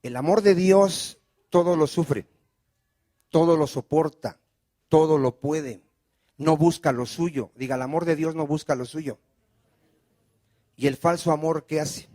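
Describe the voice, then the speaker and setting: Higher-voiced preaching pastor, dry sound. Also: male voice, measured pace, pauses often, warm tone, no room sound. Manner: preaching with call-and-response questions. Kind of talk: sermon.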